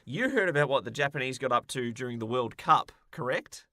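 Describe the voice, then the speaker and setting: An Australian man co-hosting a podcast, chatting casually about games in a jokey, animated way. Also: medium pitch, fairly quick, no room sound, studio quality. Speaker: podcast co-host. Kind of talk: casual gaming chat.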